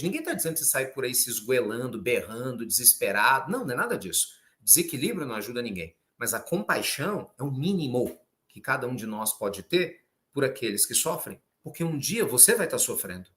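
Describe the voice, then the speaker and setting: Lively Brazilian man preaching conversationally. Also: medium pitch. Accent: Brazilian Portuguese. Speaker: spiritual speaker. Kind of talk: spiritist reflection on a reading.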